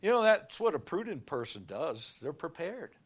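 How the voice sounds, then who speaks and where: Telling homely everyday stories, this middle-aged male pastor delivers a lively sermon and shouts out the important words. He talks at an ordinary pace in a fairly high-pitched voice.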